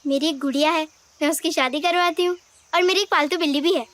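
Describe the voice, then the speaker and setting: A woman's voice: sits high, fairly even intonation, quick pace, fairly bright tone. A woman voicing a cheerful little girl who gathers flowers, in a cartoon, chatty and teasing.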